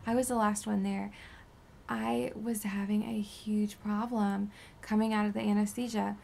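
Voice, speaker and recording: Tired raspy young woman vlogging. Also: mid-range voice, little pitch movement, moderate pace. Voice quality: raspy from a sore throat. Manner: rambling, drifting into soft whispers. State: tired and sore after surgery. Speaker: beauty vlogger. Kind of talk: casual post-surgery update vlog.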